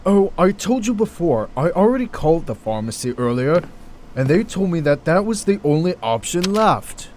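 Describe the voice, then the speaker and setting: An actor playing an earnest, overworked hospital doctor in an audio drama, articulate and patient with some exasperation. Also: male voice, fairly high pitch, very animated, moderate pace, a little mellow, slight background noise. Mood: resolute.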